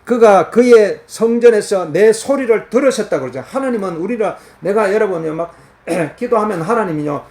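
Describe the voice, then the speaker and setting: A man's voice: high-pitched, animated, moderate pace, a little mellow. A man preaching a fervent, earnest sermon in the countryside. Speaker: pastor. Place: countryside, crickets and cicadas heard outside.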